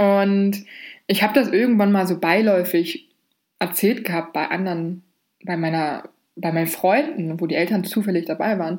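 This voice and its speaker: A woman talks at a moderate tempo, varying her pitch in an ordinary way, on a very clean recording with a silent background. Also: medium pitch for a woman. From Germany, rural village. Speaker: podcaster. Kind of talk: personal monologue podcast.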